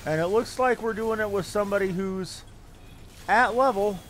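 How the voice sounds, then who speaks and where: A man's voice: sits high, normal speed, slight background noise. A man giving casual live commentary as he streams a game, reading on-screen text aloud and swearing mildly.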